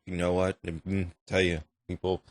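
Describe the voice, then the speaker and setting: Guy doing reaction commentary, kinda deep voice, animated and rambly, talks casual. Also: a little slow. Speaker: reaction video host.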